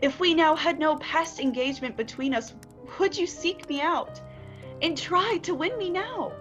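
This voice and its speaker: A woman's voice: high voice, normal speed, fairly bright tone. A woman playing an earnest, heartbroken young woman in a radio play, speaking formally and sorrowfully. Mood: sad, searching. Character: Belle, heartbroken young woman releasing her fiancé. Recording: dull lo-fi audio under music.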